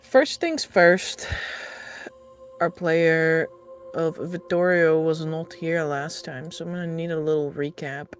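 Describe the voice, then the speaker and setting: Chatty dungeon master over soft music. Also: mid-range voice, level tone, measured pace. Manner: chatty, loose, with fillers. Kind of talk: casual game-master talk.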